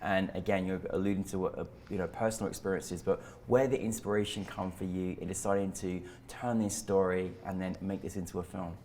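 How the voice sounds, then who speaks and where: A man's voice: deep voice, flat delivery, a little fast, hardly any pauses, a little mellow, a little hiss or hum. A man hosting a film interview, effusive and enthusiastic, rambling as he praises the film. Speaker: interview host. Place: indoor venue.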